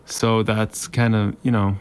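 A Swiss German-speaking man, a musician, answering interview questions in a halting, casual way with many restarts. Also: on the low side, flat delivery, clean tone. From Switzerland. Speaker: musician guest.

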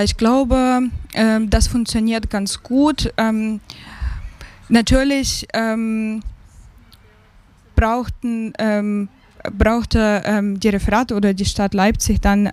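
Slow, hesitant woman from Ukraine. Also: mid-range voice, a little mellow, clear, resonant tone, no room sound. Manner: slow and hesitant, many fillers. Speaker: guest, migrant advisory council member. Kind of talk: radio interview.

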